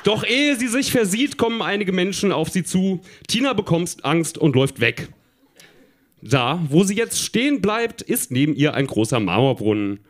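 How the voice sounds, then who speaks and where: A man's voice: sits high, big pitch swings, moderate pace. Chuckling man reading a children's story. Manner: chuckling, stumbling over words, addressing listeners.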